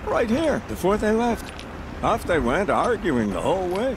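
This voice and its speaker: An actor playing a worried, talkative tribal guard in a video game, fretful and wry. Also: male voice, high voice, big pitch swings, unhurried. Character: worried, chatty tribal man on guard duty. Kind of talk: video game character acting. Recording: clear outdoor ambient noise behind.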